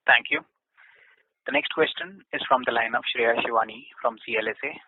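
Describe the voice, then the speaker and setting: A man's voice: mid-range voice, huge pitch swings, a little fast, gravelly, breathy edge, dry recording. A man moderates as a conference call operator, polite and formal. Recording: dry, narrow phone line.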